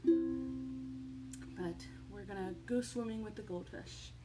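A woman hosting a storytime for small children, reading and chatting in an expressive, sing-song manner, recorded indoors at home. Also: mid-range voice, slow pace, over loud music, poor audio. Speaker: children's librarian, storytime host. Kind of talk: children's storytime read-aloud and chat. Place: indoors, home living room. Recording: home recording with faint background noise.

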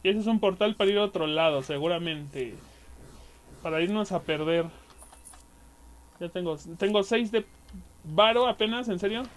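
A young Mexican man doing casual gameplay commentary, excitable, swearing and yelling at enemies. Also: sits high, normal speed, long pauses. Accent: Mexican Spanish. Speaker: gaming youtuber.

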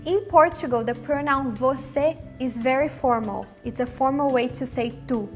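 A woman with a Brazilian accent hosting a language channel, explaining pronunciation and vocabulary clearly and demonstrating sounds. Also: sits high, normal speed, soft background music. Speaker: language teacher and channel host. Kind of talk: scripted lesson to camera.

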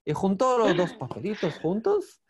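Male rabbi, Portuguese first language, halting, searching for words, fairly high gravelly voice, video call. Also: huge pitch swings. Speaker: rabbi teacher. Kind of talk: online storytelling lesson.

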